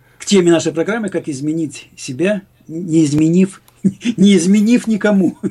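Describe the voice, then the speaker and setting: At a moderate pace, a man with a high pitch and a dark, mellow tone speaks with ordinary pitch variation. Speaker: musician. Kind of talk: casual chat. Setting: studio. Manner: halting.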